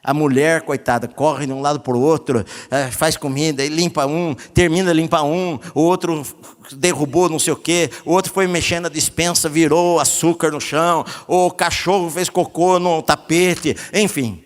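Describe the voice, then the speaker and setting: A man's voice: a little high, fairly even intonation, moderate pace. A Brazilian man preaching a sermon as pastor at a church service, talking conversationally and acting out the voices of people he quotes. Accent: Brazilian Portuguese. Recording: long church hall reverb.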